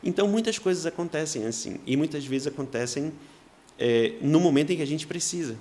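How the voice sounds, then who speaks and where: A missionary man shares his testimony in a somewhat high voice, earnest and unhurried. He slips into what others said to him, voicing each one with a lively touch. It sounds like a personal story told to an interviewer. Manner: earnest, acts out quoted dialogue in lively voices. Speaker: missionary guest.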